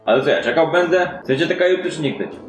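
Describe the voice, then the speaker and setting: A man's voice: a little high, expressive, quick pace, pitched above the performer's own voice, lightly acted. Guy doing a cranky old sailor in a tabletop rpg, impatient n grumbly, bit of music behind. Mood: grumbling. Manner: curt, grumbling, folksy. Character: gruff, impatient old sailor, grey and tattooed. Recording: roomy sound with music underneath.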